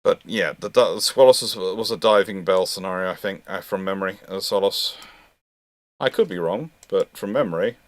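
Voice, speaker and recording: A man with a fairly low voice and a dry, close sound. He talks informally as a history host fielding questions. His delivery is discursive and halting, as if working out each answer as he goes. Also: no room sound. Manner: halting, discursive, thinking aloud.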